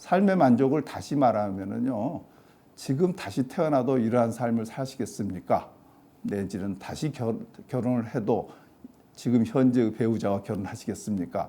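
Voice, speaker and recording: There is audible room echo as a man with a dark, mellow tone and medium pitch speaks at a moderate pace with lively intonation. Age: 60s. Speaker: neurologist, retired professor. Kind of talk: lecture. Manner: halting.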